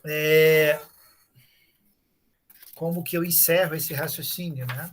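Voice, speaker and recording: A man's voice: fairly high pitch, steady tone, takes it slowly, a little hiss or hum. A man with a Brazilian Portuguese accent, a professor giving a conference lecture in an explanatory way, with many fillers and tag questions. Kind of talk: academic lecture, unscripted.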